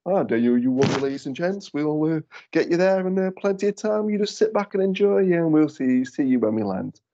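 A man's voice: on the high side, expressive, a little fast, mellow, highs cut off, pitched above the performer's own voice. A man voicing a smarmy, overconfident airline pilot making a cabin announcement, with game-show-host patter. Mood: smug.

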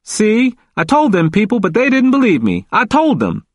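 A male narrator plays a confused, vulnerable old man from an audiobook. The voice is pitched well up and swings widely. He speaks emphatically in folksy, repetitive phrases, and the sound is close and dry. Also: wildly swooping pitch, normal speed, no room sound, highs cut off, exaggerated voice. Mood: excited, defiant. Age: older. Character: confused, frightened elderly man pleading in hospital.

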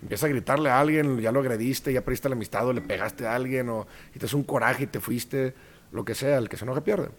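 In a casual interview, a male guest actor with a Mexican accent recounts lively anecdotes, acting out the voices of the people he quotes. He talks at a quick pace in a mid-range voice.

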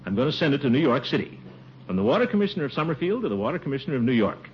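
A man's voice: mid-range voice, very animated, racing, a little hiss or hum, close to an everyday voice. An actor playing a boastful, pompous middle-aged male water commissioner in a 1950s radio sitcom, chuckling and sputtering as he talks. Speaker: lead character. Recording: muffled old radio broadcast with music.

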